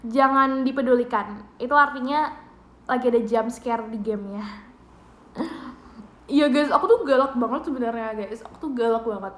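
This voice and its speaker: A woman's voice: fairly high pitch, normal speed, long pauses. A young woman, chatting playfully and giggling on a live stream from a room at home, speaking into a phone mic. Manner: playful, giggly, thanks viewers. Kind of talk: casual live-stream chat. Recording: roomy echo of a small room.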